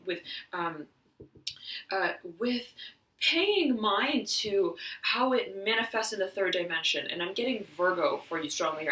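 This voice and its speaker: A slightly hoarse woman reads tarot cards in a bright, forward voice, often clearing her throat. Her talk wanders through fillers and restarts. She sounds a little off-mic in an echoey room. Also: medium pitch, recorded from a distance. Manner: meandering, many fillers and restarts; keeps repeating "I'm hearing". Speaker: tarot reader. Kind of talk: spiritual reading to camera.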